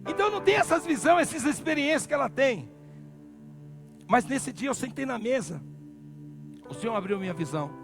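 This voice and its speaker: A male pastor with a Brazilian accent preaching a sermon, swinging from low murmurs to loud shouted peaks. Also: sing-song, brisk, gravelly, long pauses. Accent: Brazilian Portuguese. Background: music.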